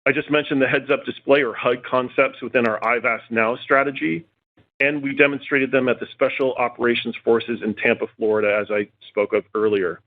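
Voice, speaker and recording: A man in the role of chief executive reading scripted earnings call remarks in a formal, measured way over a conference phone line. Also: medium pitch, steady tone. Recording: tinny narrow-band phone line.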